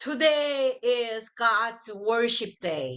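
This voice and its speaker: A woman does a booming put-on character voice, pitched fairly high, with lively intonation. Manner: commanding, piercing.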